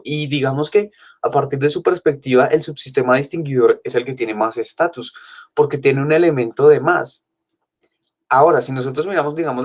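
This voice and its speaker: A man teaching a university phonetics class, explaining casually and often checking in with his students. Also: medium pitch. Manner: casual explanatory, many fillers like "digamos" and "¿cierto?". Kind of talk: university online class lecture.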